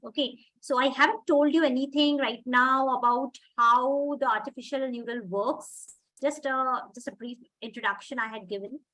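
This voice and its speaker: A woman's voice: high-pitched, a bit bright, low-quality recording. A woman lecturer answering a student's question, explaining and repeating her points.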